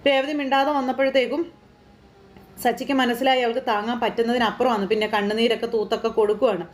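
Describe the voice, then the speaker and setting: A woman's voice: fairly high pitch, steady tone, quick pace. A woman casually retelling a TV serial episode, chatty, with frequent tag words and repetition. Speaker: TV serial recap narrator. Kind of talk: casual storytelling recap.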